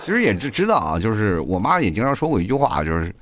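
Fast, lively low-voiced male comedic host. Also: background noise. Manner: rambling storytelling, restarts, acts out quotes. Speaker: show host. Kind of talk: comedic rant monologue.

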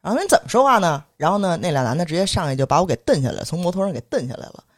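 A woman from Beijing with a Beijing accent, hosting a casual podcast chat and telling stories in a blunt, animated, swearing way. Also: low-pitched, rapid-fire, no echo, clean studio sound.

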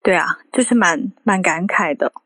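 A woman's voice: on the low side, normal speed, a bit bright, husky, no echo. A woman co-hosting a casual podcast, talking in a thoughtful, somewhat hesitant conversational way. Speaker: podcast co-host.

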